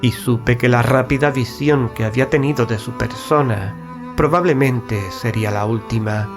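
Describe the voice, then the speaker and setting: A man playing an uneasy, observant gentleman who narrates a gothic horror tale in a measured, solemn way. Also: mid-range voice, lightly acted. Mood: somber. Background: music.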